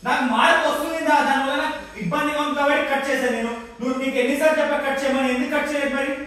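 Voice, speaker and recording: Hushed, nervous man hosting a vlog. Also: very high voice, fairly even intonation, very fast, very echoey, recorded from a distance. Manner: hushed and nervous, then loudly protesting. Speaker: vlog host. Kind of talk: casual prank vlog. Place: indoors at home.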